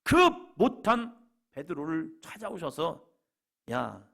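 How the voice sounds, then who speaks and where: A male pastor preaching a sermon with fervor, rising to loud, high peaks and dropping to soft, tender lines. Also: animated, normal speed, vocal fry. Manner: impassioned preaching, swelling louder, voicing Jesus softly.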